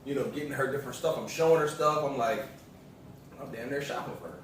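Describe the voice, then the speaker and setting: A man's voice: medium pitch, fast. American man, echoey and distant. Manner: slangy, repetitive, storytelling. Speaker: vlog co-host, the vlogger's partner. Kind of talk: casual vlog chat. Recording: roomy echo, distant mic, noisy background.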